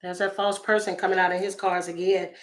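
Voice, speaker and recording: A woman with a slightly raspy voice, chatting through a tarot reading for her viewers with exclamations and asides. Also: lowish voice, level tone, a little fast. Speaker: tarot reader.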